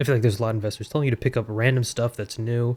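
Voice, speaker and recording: The intonation stays fairly even. There is a somewhat breathy quality to it. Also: man. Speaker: Pokemon card investing YouTuber. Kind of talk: casual talk to camera.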